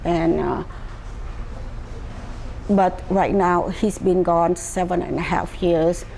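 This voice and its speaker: An older woman from Vietnam with a Vietnamese accent, telling her life story slowly, with many pauses and fillers. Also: on the low side, fairly even intonation, creaky, mellow, a little hiss or hum, rough recording. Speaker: interviewee.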